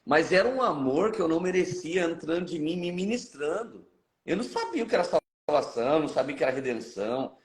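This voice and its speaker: A man with a Brazilian Portuguese accent preaching as a guest on a live stream. He mixes Bible teaching with personal testimony and acts out what he once said. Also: fairly high pitch. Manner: emphatic, storytelling, acts out his past self. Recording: roomy echo.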